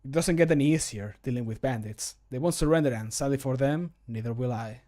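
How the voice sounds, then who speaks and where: A man's voice: medium pitch, dark tone, natural voice. Man acting a solemn, resolute fantasy adventurer. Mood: grimly resolute. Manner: measured, solemn, falling phrase endings. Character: grim, resolute male fantasy adventurer who fights bandits. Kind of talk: scripted video game voice line. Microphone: close studio microphone.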